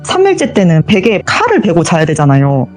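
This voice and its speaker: A woman's voice: fairly low pitch, wildly swooping pitch, fairly quick, faint music behind. A woman telling her own true ghost story as a guest, vividly acting out the voices in it.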